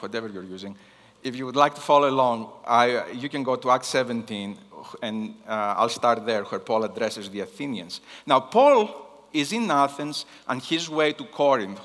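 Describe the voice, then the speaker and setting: A male preacher with a Greek accent delivers a sermon in a bright, forceful voice. He is deliberate and repeats key phrases for emphasis. His medium-pitched speech rings with the long reverb of a large hall. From Greece. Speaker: guest missions preacher. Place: large hall, speaking to a congregation.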